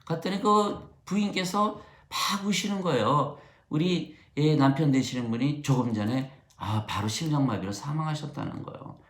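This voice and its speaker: A man's voice: on the high side, moderate pace, few pauses, echoey room. A middle-aged man preaching a sermon, telling stories and acting out the voices of the people in them. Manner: storytelling, acting out quoted voices.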